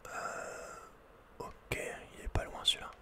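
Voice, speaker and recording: Whispering man doing gaming ASMR. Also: takes it slowly. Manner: whispering throughout. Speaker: ASMR gamer host. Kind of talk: whispered ASMR video game playthrough.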